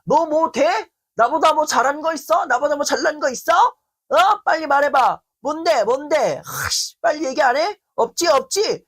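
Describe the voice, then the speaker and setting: A man acting out a contemptuous person who belittles others and shouts taunting questions. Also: very high-pitched, expressive, moderate pace, pitched above the performer's own voice. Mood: scornful, angry. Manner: taunting, escalating rants.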